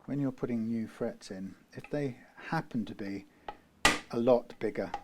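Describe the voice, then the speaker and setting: A man's voice: mid-range voice, a little slow, heavy background noise. A man from the UK working through a guitar repair, talking in a rambling way, correcting himself and dropping dry asides. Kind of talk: workshop how-to narration.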